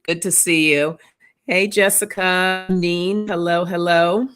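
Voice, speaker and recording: Slightly raspy woman chatting on a live stream. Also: fairly low pitch, steady tone, slow, fairly bright tone, soft background music. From Canada. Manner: easygoing, laughs often, greets viewers by name. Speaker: tarot channel co-host. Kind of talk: casual live-stream chat. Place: home room, live stream. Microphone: computer mic on a live call.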